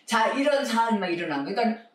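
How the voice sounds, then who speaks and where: A man preaching a sermon, telling the story with animated voices for the people in it. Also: sits high, very fast. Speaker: pastor. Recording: echoey room, recorded from far off.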